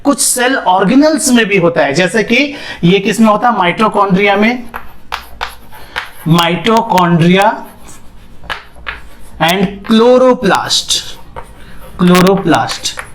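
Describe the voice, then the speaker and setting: A man's voice: sits high, lively intonation, a little slow, hardly any pauses, a bit bright. A young man teaching a biology lesson, asking questions and answering them himself, mixing English terms into his speech. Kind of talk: classroom lesson with whiteboard.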